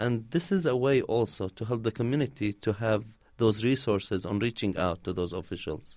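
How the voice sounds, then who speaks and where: The speaker talks at a moderate pace with an Arabic accent. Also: man, medium pitch for a man, ordinary pitch variation. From Palestine and Jordan (Bethlehem, then Amman area). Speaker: community organizer. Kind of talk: radio interview. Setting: studio.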